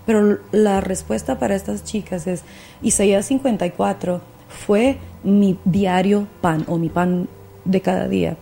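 Gravelly-voiced woman giving fervent testimony. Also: mid-range voice, steady tone, measured pace, warm tone, a little hiss or hum. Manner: fervent, preacher-like, with many fillers. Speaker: podcast guest, singer-songwriter and speaker. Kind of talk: faith testimony in conversation.

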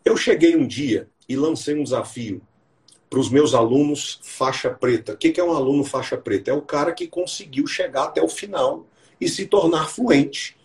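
A man who teaches English, hosting a live podcast chat and explaining his method with lively stories. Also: fairly high pitch, normal speed. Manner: explanatory, enthusiastic storytelling.

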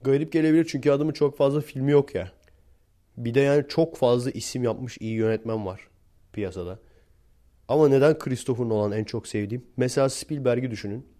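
Telling stories straight to his viewers, a young vlogger from Turkey speaks in a fairly low, mellow voice. His style is blunt and full of slang, with little chuckles as he moves from point to point.

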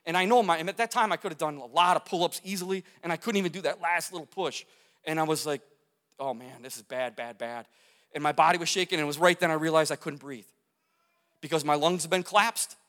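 A man tells an audience the dramatic story of his near death, repeating phrases for emphasis and gesturing as he talks. His voice is a little high, a bit bright and fast, and a long hall reverb surrounds it.

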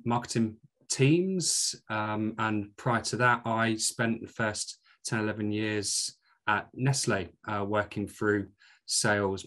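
Middle-aged Scottish man, low voice, earnest podcast guest, full of fillers. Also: fairly bright tone. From Scotland. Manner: earnest, with frequent fillers and restarts. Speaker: guest, commercial director. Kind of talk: podcast interview.

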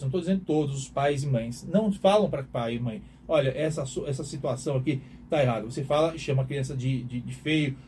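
A man's voice: on the high side, mellow, a little hiss or hum. A man teaching communication, emphatic, asking questions and repeating himself as he lectures. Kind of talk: lecture to an online audience.

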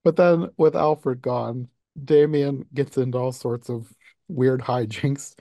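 Mellow-voiced man hosting a review podcast. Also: medium pitch, steady tone, takes it slowly, vocal fry, no echo, studio quality. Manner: laughs often while recapping. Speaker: podcast host. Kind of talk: casual film review chat.

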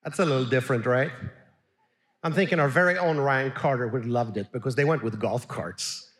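A man's voice: mid-range voice, fairly quick. A middle-aged man from Sweden, a pastor preaching a sermon and calling on the congregation to answer back. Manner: animated, calls for audience responses.

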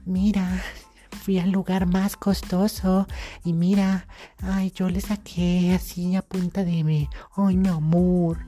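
Mujer haciendo de chica presumida, chillona y quejumbrosa. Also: female voice, fairly low pitch, level tone, warm tone, faint music behind, pitched above the performer's own voice. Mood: boastful. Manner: whiny, drawn-out sighs of "ay, mi amor". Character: vain materialistic young woman, showing off. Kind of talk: comedic sketch voicing.

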